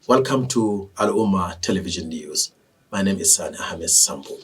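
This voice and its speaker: Male TV news anchor, Nigerian accent, formal scripted read, somewhat husky low voice, set back from the mic. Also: animated, normal speed, recorded from a distance.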